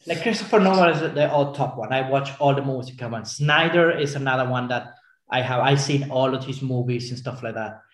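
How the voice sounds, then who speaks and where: A man's voice: mid-range voice, brisk, echoey room. A man from Mexico, a native Spanish speaker whose English accent mixes Mexican Spanish with British English, chatting casually as a podcast guest and often restarting his phrases. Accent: Mexican Spanish mixed with British English. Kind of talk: casual chat.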